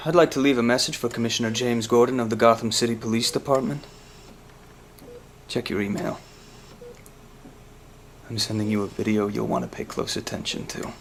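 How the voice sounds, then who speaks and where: A man playing a grieving, brooding asylum director in a fan web drama, speaking in a halting, deliberate way. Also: low-pitched, fairly even intonation, fairly bright tone. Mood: cold, menacing. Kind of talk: acted dramatic monologue in a fan web series. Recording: clearly noisy amateur recording with ambience.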